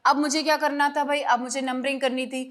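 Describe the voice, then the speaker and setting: High-voiced woman teaching chemistry. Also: level tone, fairly quick, fairly bright tone. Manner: repeats each step, asks and answers own questions. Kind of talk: online lesson.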